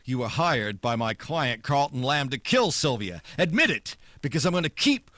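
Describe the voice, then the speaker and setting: An actor playing a tough, wisecracking 1940s private detective in noir radio drama style, sardonic and clipped. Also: male voice, medium pitch, sing-song, moderate pace, pushed and bright, no room sound. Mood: hard, threatening.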